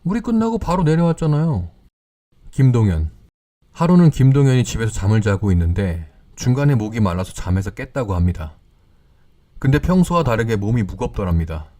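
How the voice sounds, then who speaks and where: Dark-voiced male horror narrator. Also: fairly low pitch, very animated, a little fast. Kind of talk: scripted horror radio narration.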